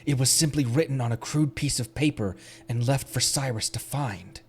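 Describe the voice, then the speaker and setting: A man's voice: mid-range voice, moderate pace. A man chatting casually while live-streaming a game, rambling and laughing often. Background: game music.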